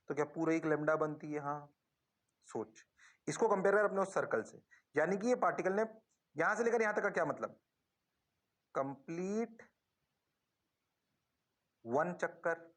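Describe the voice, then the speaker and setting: High-voiced coaxing male physics teacher. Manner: coaxing, fires quick questions and answers them himself; mixes English phrases into his explanations. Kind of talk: classroom lesson.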